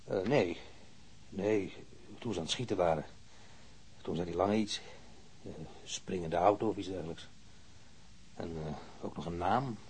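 A man playing a grumbling wounded policeman in a radio drama, halting and repeating himself. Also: deep voice, darkish tone, a little hiss or hum. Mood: halting, searching. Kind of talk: naturalistic radio drama acting.

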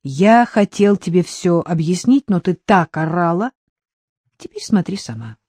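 A woman voicing a calm, firm middle-aged man who explains things in a level, measured way. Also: on the low side, slightly rough, dry recording, studio quality.

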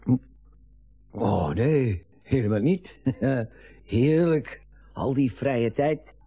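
A man's voice: medium pitch, lively intonation, drawn-out words, breathy edge, no echo, full character voice. Radio drama father, man in his 60s, vague and hesitant, music behind, lo-fi sound. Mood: mild, absent-minded. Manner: hesitant, vague, short answers. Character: forgetful, hesitant retiring father, fond of trains. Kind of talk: naturalistic radio drama acting. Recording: dull lo-fi radio recording with music.

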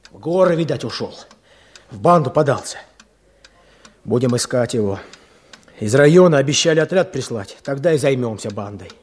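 A man's voice: medium pitch, expressive, normal speed, pauses often, lightly acted. An actor playing an earnest young village man who leads a hunt for bandits in a Russian radio drama, with a terse, commanding manner. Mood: grim, resolute.

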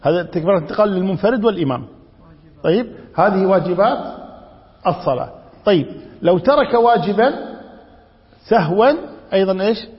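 A high-pitched man gives a classroom lecture on Islamic law. He quizzes his students and repeats the key phrases for emphasis. His voice rings with a long reverb from the lecture hall, on a dull, lo-fi recording. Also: lively intonation, fairly quick, pauses often.

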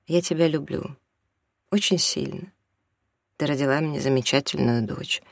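A reader voicing a patient husband who speaks softly and low, holding back hurt. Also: moderate pace, vocal fry, no echo, studio quality, natural voice. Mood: calming. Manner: soft, low, restrained, calming. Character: quiet patient middle-aged husband and father.

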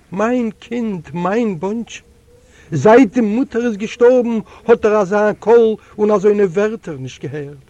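An older man, a native Yiddish speaker, reading a literary story aloud in a slow, dramatic storytelling manner with sudden soft drops. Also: sits high, no room sound, muffled recording. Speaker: reader of a literary recording.

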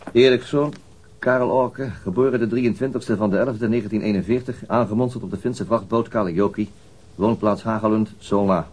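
A stern policeman in a radio crime drama, with a low, rough-edged male voice. He speaks in a clipped, formal way, methodical and dry, pressing for answers. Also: normal speed, darkish tone. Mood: insistent.

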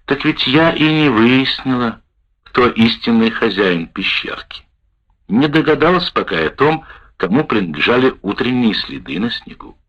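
A man reading a wartime memoir aloud in the first person, with a measured, expressive delivery. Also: medium pitch. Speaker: narrator. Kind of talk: audiobook narration of a wartime memoir. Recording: dull lo-fi recording.

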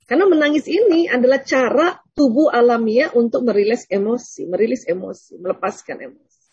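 Give this a husky, breathy grain and let it sit slightly high. She's a woman lecturer, talking her audience through questions in a chatty, reassuring way and slipping into little acted exchanges. The sound is dull and muffled, close and dry. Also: brisk, dry recording. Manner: conversational, gently reassuring, acts out little dialogues. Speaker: religious lecturer. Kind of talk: Islamic lecture with Q&A.

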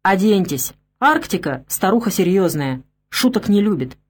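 A woman voicing a gruff, hoarse older male Arctic sea captain who speaks curtly, in an audiobook. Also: high voice, sing-song, normal speed, heavily acted. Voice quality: hoarse, rasping. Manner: curt, commanding.

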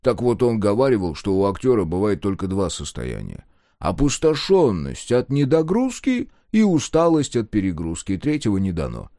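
A man voicing a sly, unflappable older male storyteller who speaks with deliberate weight. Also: on the low side, huge pitch swings, dark tone, no room sound, clean studio sound.

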